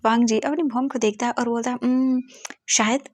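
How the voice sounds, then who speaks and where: A woman's voice: fairly high pitch, fairly even intonation, fast. Chatty woman retelling a story. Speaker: story narrator.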